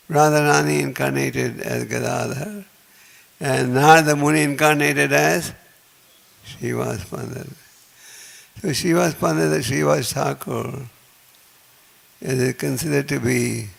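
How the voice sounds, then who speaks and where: A soft-spoken man giving a measured lecture at a temple program, speaking into a mic for a gathered audience. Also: mid-range voice, gravelly, slightly rough. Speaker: spiritual teacher. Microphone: handheld or stand mic, speaking to a gathered audience.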